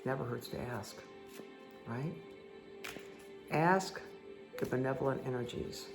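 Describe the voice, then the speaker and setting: A woman with a croaky voice giving a casual, chatty tarot card reading that speaks directly to the listener. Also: rumbling low, slow. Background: background music.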